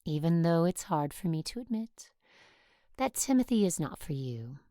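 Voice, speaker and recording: A woman playing a stern, restrained Catholic nun in an audio drama, speaking in a measured, solemn way. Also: fairly low pitch, very animated, dark tone, no echo, clean studio sound.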